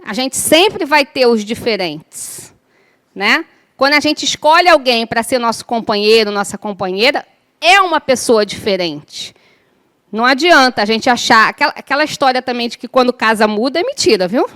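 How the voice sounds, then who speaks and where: A middle-aged woman teaches a class in a relaxed, conversational manner. Her voice sits high and bright, and she keeps checking in with her listeners through tag questions. She scatters joking asides through the lesson. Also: normal speed, clear, resonant tone. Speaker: spiritist course teacher. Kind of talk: informal lecture to a class.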